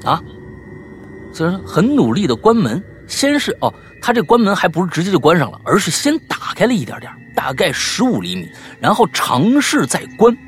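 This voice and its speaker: A man with a rough, husky voice hosting and telling listener stories in a chatty way, prone to grumbling, scolding asides. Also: high voice, wildly swooping pitch, fairly quick, faint music behind. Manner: grumbling, scolding, exasperated rants. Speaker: host reading listener stories. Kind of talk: animated storytelling with chatty asides.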